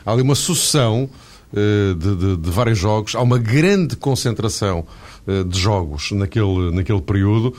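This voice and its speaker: A man's voice: on the low side, normal speed, darkish tone. A man on a football panel, raising doubts with frequent tag questions and restarts. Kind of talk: studio panel discussion.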